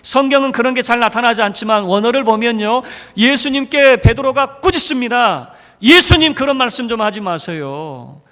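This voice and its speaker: High, bright-voiced male pastor preaching. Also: lively intonation, normal speed, few pauses. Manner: acts out dialogue of biblical figures in changing voices. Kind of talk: sermon. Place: church sanctuary. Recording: long reverb of a large church hall.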